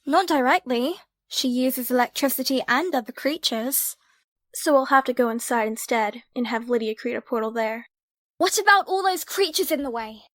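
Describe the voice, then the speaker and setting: A woman's voice: sits high, normal speed, fairly bright tone, dry recording. A woman playing a practical, determined young heroine in an audio drama, speaking directly. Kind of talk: amateur audio drama acting.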